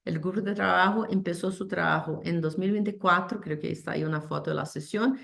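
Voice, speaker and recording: A woman's voice: lowish voice, brisk, gravelly, a bit bright. A woman giving a panel presentation over a video call, speaking Spanish as a second language, hesitant with many fillers and restarts. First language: not Spanish. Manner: hesitant, many fillers and restarts, code-switches English terms.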